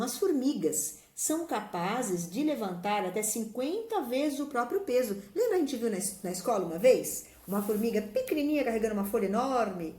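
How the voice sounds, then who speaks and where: A woman's voice: on the high side, warm tone, reverberant. A woman teacher with a Brazilian Portuguese accent, patiently going through spelling rules step by step in a recorded remote lesson.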